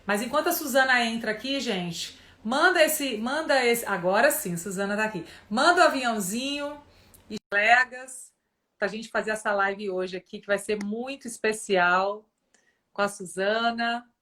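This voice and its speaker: A woman's voice: on the high side, moderate pace, sharp tone. A woman hosting a casual live stream, chatty and addressing viewers directly. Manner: chatty, fillers like né, talks to audience.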